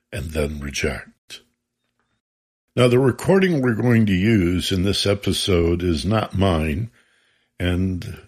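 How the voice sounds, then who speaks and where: A man hosting a relaxation show, explaining calmly and guiding listeners in measured, unhurried phrases with pauses. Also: low voice, slightly rough. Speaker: host of a relaxation and meditation audio show.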